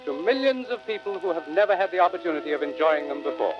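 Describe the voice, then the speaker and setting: A man's voice: fairly high pitch, quick pace, over music. A man working as a radio announcer, reading formally in a 1930s broadcast style. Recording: dull, band-limited vintage radio recording.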